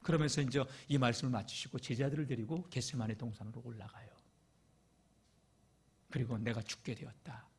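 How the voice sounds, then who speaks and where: A man preaching a Sunday sermon in a church. He is animated and addresses the congregation often, swinging between loud stretches and hushed ones. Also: medium pitch, brisk, long pauses, slightly rough. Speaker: pastor.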